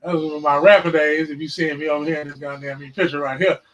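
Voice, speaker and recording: A man in his forties hosting a casual livestream podcast, mixing loud, repetitive outbursts with profane, slangy sermon-like talk. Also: fairly high pitch, level tone, quick pace, dull audio. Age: 40s. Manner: profane, slangy, calls out viewers. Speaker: podcast host. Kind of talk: casual preaching and chat. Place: livestream, home setup.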